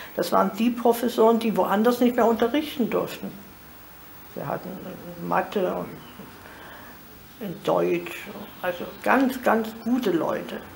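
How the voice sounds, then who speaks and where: Speaking at a fairly slow pace with long, frequent pauses, a woman uses a fairly high pitch and ordinary pitch variation against noticeable background noise. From Dresden. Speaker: Holocaust survivor, contemporary witness. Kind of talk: interview answer. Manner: conversational, recollecting.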